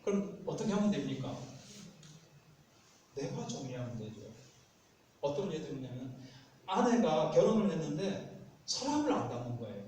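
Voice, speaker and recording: A man's voice: fairly high pitch, big pitch swings, normal speed, pauses often, dark tone, slight background noise. A man preaching a sermon as a pastor, telling folksy stories and acting out what spouses say to each other. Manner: folksy storytelling, acts out spouses' voices. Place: church sanctuary. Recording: echoey church sanctuary, distant mic.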